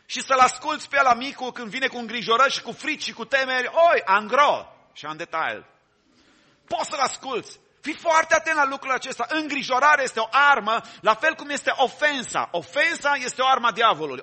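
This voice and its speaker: A male preacher delivering a fervent sermon, driving his points home through refrains and call-and-response. His voice sits very high for a man and rings bright and sharp.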